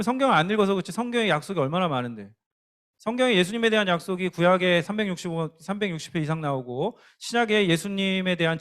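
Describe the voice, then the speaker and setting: Earnest man preaching to teens. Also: high voice. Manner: earnest, emphatic, speaking directly to teens with questions. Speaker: youth pastor. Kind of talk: sermon.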